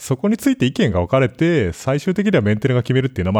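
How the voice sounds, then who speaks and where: Over a quiet background, a man talks at a very fast pace with very wide pitch swings. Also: dry, close sound with no echo. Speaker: podcast host. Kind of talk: casual chat.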